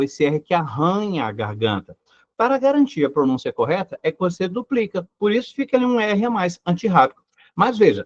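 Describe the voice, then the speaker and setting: A man's voice: sits high, no room sound. A man teaching a live online grammar lesson. He talks emphatically, repeats his points and keeps asking rhetorical questions. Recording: dry, slightly dull recording.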